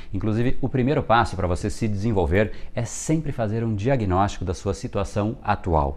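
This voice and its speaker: A man talks at a moderate pace in a fairly low voice. His intonation is lively, and the room echo is audible. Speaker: persuasion coach. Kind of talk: scripted narration; lecture.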